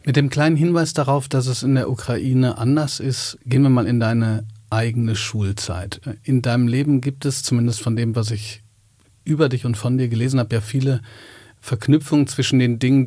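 A man's voice: mid-range voice, steady tone, normal speed, mellow, no room sound, clean studio sound. A man interviewing, asking long, engaged questions in a conversational tone.

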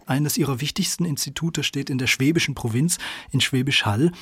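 Male radio presenter, articulate and measured, a bit husky. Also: mid-range voice, fairly bright tone, dry recording. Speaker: radio host. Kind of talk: radio magazine interview and narration.

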